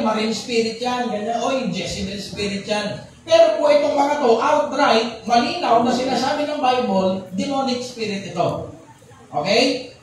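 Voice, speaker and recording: A man preaches a lively sermon, joking and checking that his congregation follows him. His voice rings around a big, echoey hall and is picked up from some distance away. A steady background noise sits under the whole recording. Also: extremely high pitch. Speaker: pastor.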